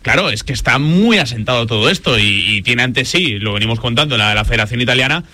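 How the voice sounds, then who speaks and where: Un hombre que comenta fútbol en la radio con un tono firme y pausado. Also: male voice, mid-range voice, expressive, bright, forceful tone. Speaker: football pundit. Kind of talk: radio panel discussion.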